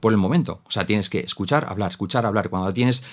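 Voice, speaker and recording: A man's voice: lowish voice, fast, husky. Man explaining English pronunciation. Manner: animated, demonstrates pronunciations with exaggerated examples. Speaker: English teacher. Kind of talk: explanatory teaching talk.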